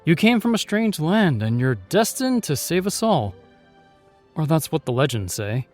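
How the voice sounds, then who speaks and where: An actor playing a chivalrous, shyly tender knight in a fantasy audio roleplay, speaking with courtly, reassuring and slightly hesitant phrasing. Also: male voice, on the high side, big pitch swings, a little slow, darkish tone, faint music behind. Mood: teasing, tender.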